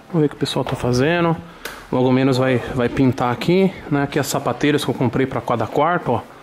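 A man's voice: mid-range voice, background noise. Slangy young man vlogging. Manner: slangy, upbeat, talks to camera. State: stuffy with a cold. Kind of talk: casual vlog. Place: house indoors and street. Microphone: handheld camera at arm's length.

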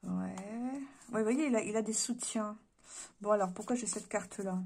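A woman's voice: medium pitch, steady tone, normal speed, gravelly, a little mellow, a little hiss or hum. A woman doing a casual card reading to camera indoors, musing aloud with many hesitations and her voice giving out. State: voice giving out, clears throat. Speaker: card reader. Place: room indoors.

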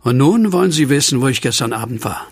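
A man's voice: mid-range voice, animated, fast talker, husky. An actor playing an anxious, troubled man who fears he is a werewolf, brooding and hesitant, in a horror audio drama. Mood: guarded.

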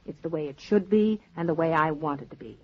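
A woman's voice: sits low, a little fast, slight background noise, natural voice. An actress playing a plainspoken, dryly teasing middle-aged mother in a 1940s radio drama. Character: mother, older woman, dry and plainspoken. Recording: dull 1940s radio transcription.

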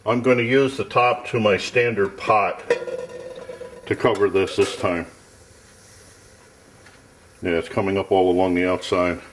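A man's voice: low voice, steady tone, a little slow, long pauses, background noise. A man casually narrating a camping stove test off camera in a cluttered home workshop, thinking aloud in a plain, matter-of-fact way. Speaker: gear tester.

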